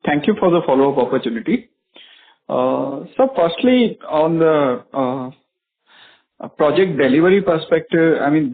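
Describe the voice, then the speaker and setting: A man asking halting, detailed questions as an analyst on an earnings call. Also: a little high. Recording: tinny phone line.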